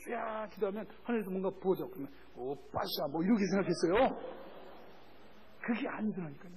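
A man with a high-pitched voice preaches a sermon, telling a missionary story with animated energy. He acts out the people he quotes and laughs often. Faint room noise sits behind him. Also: fast talker, low-quality recording.

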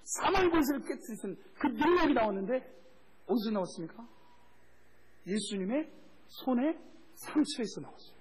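A man preaching as a missionary, telling a story with lively acted-out quotes and frequent laughter. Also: extremely high pitch, moderate pace, pauses often, a little hiss or hum, low-quality recording. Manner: animated, acts out voices in quotes, laughs often. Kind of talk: sermon with storytelling.

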